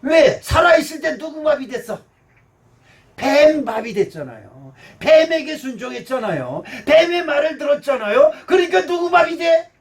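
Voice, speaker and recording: A male pastor giving a sermon, animated, swinging from shouts down to quiet murmurs. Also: very high-pitched, moderate pace, far from the mic.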